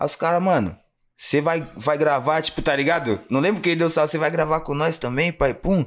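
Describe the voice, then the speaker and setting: At a fairly high pitch and a fairly quick pace, a man talks in an unremarkable speaking voice. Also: very clean recording, silent background. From Brazil, São Paulo area (Guarulhos). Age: 20s. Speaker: rapper. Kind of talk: casual chat.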